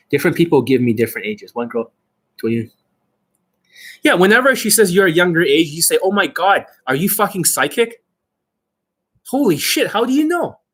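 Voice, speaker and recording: A man giving informal coaching to online viewers as their host, brash and boastful, with emphatic, sweary delivery and a slightly rough, husky voice. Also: fairly high pitch, a bit bright. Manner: acts out mock exchanges, emphatic.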